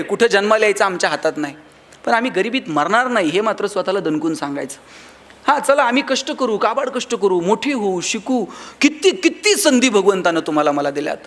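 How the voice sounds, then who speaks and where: Speaking in a hall, a Marathi-accented motivational speaker uses a fairly bright voice that sits high. He tells stories and acts out dialogue by putting on other voices.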